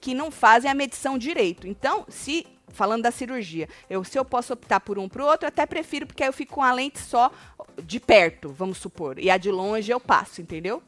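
A woman's voice: on the high side, fairly quick, soft background music. A woman with a Brazilian Portuguese accent hosting a casual gossip commentary, telling stories animatedly and swearing freely. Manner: animated storyteller, mimics voices, swears freely. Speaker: host.

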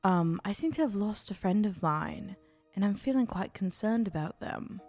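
A woman's voice: medium pitch, expressive, moderate pace, darkish tone, no echo, faint music behind. A woman voicing a scheming, flirtatious woman who sweet-talks a guard with a coaxing, honeyed manner. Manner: honeyed, coaxing, calls people darling.

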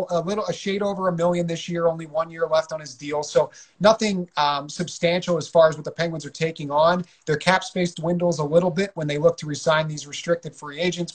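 Fairly high-voiced man hosting hockey talk. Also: steady tone, fairly quick, poor audio. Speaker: podcast host. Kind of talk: casual hockey chat.

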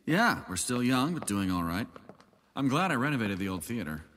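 Friendly theater owner, echoey hall, animated chatty voice, audio drama. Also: male voice, medium pitch, moderate pace. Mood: affable. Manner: affable, conversational. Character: friendly male holotheater owner interviewing a job applicant. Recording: long hall reverb, some noise.

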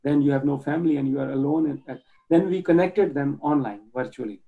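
Earnest gravelly man from Pakistan, dull audio. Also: fairly high pitch. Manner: earnest, halting with many restarts and fillers. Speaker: nonprofit organizer, guest. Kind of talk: video call interview. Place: home in Germany.

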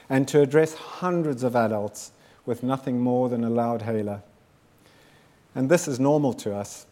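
A man in his fifties, raised in South Africa, delivering a prepared speech as a founder, measured and earnest, building his points with repeated phrases. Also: mid-range voice, a little mellow. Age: 50s. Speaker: founder giving a talk.

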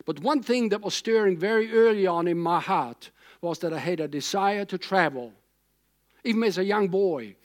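Male pastor, 60s, fairly high voice; conversational sermon delivery that rambles and repeats for emphasis. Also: moderate pace. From Austria. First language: German.

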